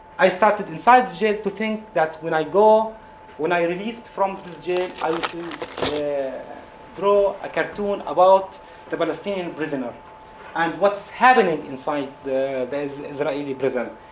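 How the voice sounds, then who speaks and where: A man's high-pitched voice with lively intonation and big swings in loudness, at a moderate pace with long, frequent pauses, amid audible room echo and noticeable background noise. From Palestine, West Bank. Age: 30s. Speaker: editorial cartoonist. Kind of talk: public talk. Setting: lecture hall with audience. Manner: halting, many hesitations.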